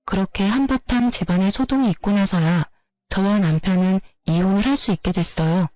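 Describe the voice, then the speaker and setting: A woman narrating a true story of a divorce in a steady, resentful tone, close to the mic. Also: mid-range voice, fairly quick, no echo, poor audio.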